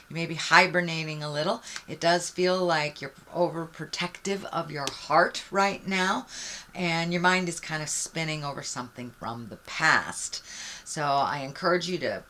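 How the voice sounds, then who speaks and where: A woman hosts an off-the-cuff tarot reading in a fairly low voice with a bright, clear-cut edge. She talks straight to the listener as she interprets the cards. Her way of speaking is reflective and encouraging, offering spiritual guidance. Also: a little hiss or hum. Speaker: tarot card reader, host.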